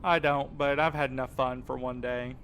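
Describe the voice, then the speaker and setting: A man's voice: medium pitch, fairly even intonation, normal speed, a bit bright, slight background noise, lightly acted. A man acting a candid, easygoing, wryly friendly character, casual and matter-of-fact, in audio drama dialogue.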